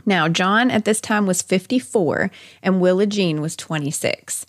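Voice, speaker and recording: Speaking a little slowly in a voice on the low side, this woman hosts a podcast and recounts a true-crime case conversationally, breaking off for chatty asides. The audio is studio quality with no echo.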